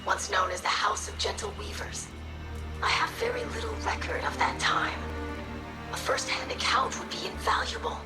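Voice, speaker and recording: A woman's voice: mid-range voice, huge pitch swings, moderate pace, poor audio. Young female alien scribe, inquisitive, formal, precise, very varied intonation, game cutscene, music behind. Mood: curious, earnest. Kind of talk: video game cutscene acting.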